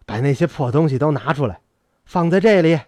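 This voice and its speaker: A man reading aloud and voicing a weary, gentle old male scholar who talks softly and earnestly in an audiobook. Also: fairly high pitch, lively intonation, brisk, no echo. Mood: urgent questioning. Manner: soft-spoken, earnest pleading. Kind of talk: audiobook character voice.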